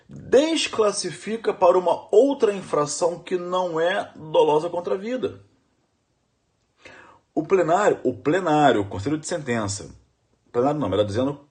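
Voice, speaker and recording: Brazilian man, middle-aged law lecturer, emphatic, lively pitch, slightly high voice. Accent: Brazilian Portuguese. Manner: emphatic, repeats questions to the audience. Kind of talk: animated exam-prep lecture.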